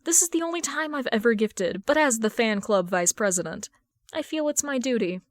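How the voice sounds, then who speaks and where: A woman reading out the messages of excitable online fans in a story, gushing and slangy. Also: a little high, moderate pace, no echo, studio quality, natural voice. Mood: playful. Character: excitable online fans typing in a stream chat.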